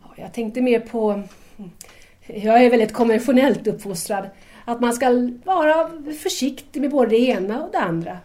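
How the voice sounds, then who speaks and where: An actress plays a naive young woman in an audio drama. Her voice sits a little high and has a soft, mellow tone. She is shy and courteous, feeling her way hesitantly and earnestly through her words. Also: close to an everyday voice. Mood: bashful, hesitant.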